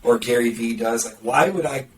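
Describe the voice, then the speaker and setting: A man's voice: medium pitch, moderate pace. Sarcastic guy chatting on a podcast, kinda far from the mic, echoey room, a little hiss behind. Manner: sarcastic, snarky, acts out quoted reactions. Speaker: podcast guest, marketing consultant. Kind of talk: casual podcast conversation. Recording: roomy, distant mic with faint background noise.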